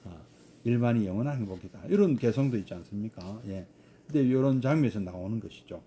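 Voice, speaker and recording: Korean monk lecturing, lively dark voice. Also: male voice, fairly low pitch, fast, a little hiss or hum. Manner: frequent hesitant fillers, rhetorical questions. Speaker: Buddhist monk lecturing on scripture. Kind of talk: scripture study lecture.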